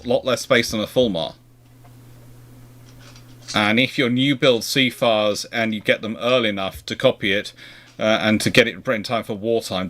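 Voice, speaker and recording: A man's voice: mid-range voice, a bit bright. A British man hosting a history question and answer chat, rambling and rephrasing as he thinks aloud. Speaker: host of a naval history question and answer show. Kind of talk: casual rambling explanatory chat.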